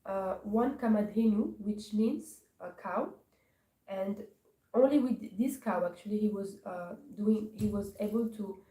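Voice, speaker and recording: A woman from Morocco gives a scripture class, pausing often and searching for her words. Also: mid-range voice, warm tone. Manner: hesitant, searching for words with many pauses. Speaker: class speaker. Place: temple hall. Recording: echoey hall from far off, faint noise.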